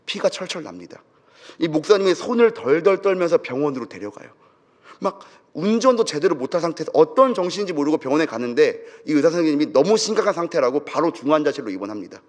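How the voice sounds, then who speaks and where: A man's voice: on the high side, sing-song, quick pace. A young adult man, a pastor, telling a story in a sermon with dramatic feeling. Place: church sanctuary. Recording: church hall with long reverb.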